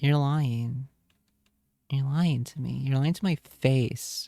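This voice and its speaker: The man's voice has a dark, mellow tone. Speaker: streamer. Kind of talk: casual chat. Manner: animated.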